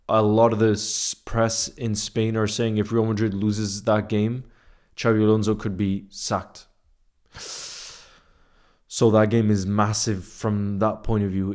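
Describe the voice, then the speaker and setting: A man with a fairly low, slightly mellow voice hosts a football fan livestream, talking casually and informally. He reads viewers' comments and answers them directly, often repeating a phrase to drive it home.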